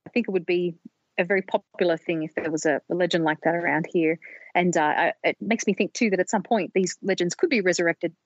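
A woman co-host asks calm, measured questions in a lowish voice. Her sound is dry and muffled, like a lo-fi call line. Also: breathy edge, no room sound. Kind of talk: casual interview chat.

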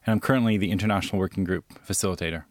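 Male American podcast guest, lower register, close dry recording, casual explanatory delivery. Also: steady tone, very fast, no room sound.

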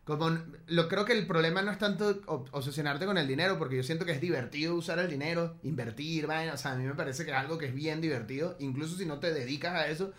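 A man in his late thirties with a Venezuelan accent, talking casually with friends in slangy, halting phrases that often repeat words. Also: a little high, a bit bright. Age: late 30s. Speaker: podcast participant. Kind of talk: casual chat among friends.

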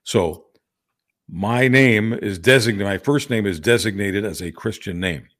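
Older Hungarian-born male co-host, low voice, earnest, repeats words as he works toward a point. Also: measured pace, a bit bright. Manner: earnest, repetitive restarts. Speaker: podcast co-host. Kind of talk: casual political discussion.

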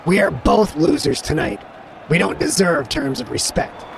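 A man's voice: sits high, very animated, moderate pace, vocal fry, a crowd in the background, noisy background, voice pushed up, heavily acted. A man voicing a gloomy alien male leader who speaks in a grave, formal way.

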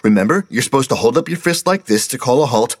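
A man voicing a chubby, whiny boy scout who pleads in a shrill voice. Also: expressive, quick pace, husky.

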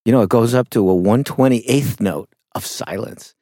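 A middle-aged man, a songwriter guest in an interview, talking in a reflective, unhurried way with frequent fillers. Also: fairly low pitch, dark tone, no echo, studio quality. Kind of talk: conversational interview storytelling.

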